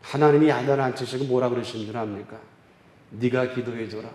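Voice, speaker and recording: A male pastor preaching a revival sermon and telling a story, swinging from loud exclaiming to quiet confiding. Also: mid-range voice, fast talker. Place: church sanctuary. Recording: echoey church hall.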